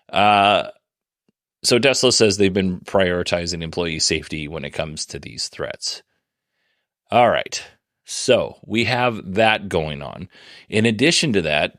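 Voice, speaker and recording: Male podcast host, very low voice, dry close sound, chatty wry news rundown, slightly hoarse. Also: a bit bright, dry recording. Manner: conversational, many fillers, wry asides. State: losing his voice. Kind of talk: casual news commentary.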